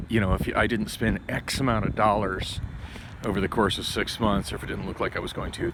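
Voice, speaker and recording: Loud wind batters the microphone as a man with a fairly low voice talks outdoors. He is vlogging on foot in a casual, rambling monologue. He drifts into side stories and circles back to his thread. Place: outdoors on a street, walking.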